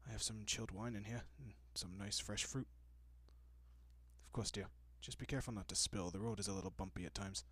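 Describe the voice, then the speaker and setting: In an intimate audio roleplay, a man voices a courteous vampire gentleman, his low, husky tone soft and breathy and often sinking to a whisper. He speaks fairly quickly in a very dry recording with no room sound, gentle and reassuring, soothing with polite, old-fashioned tenderness and a quietly possessive air.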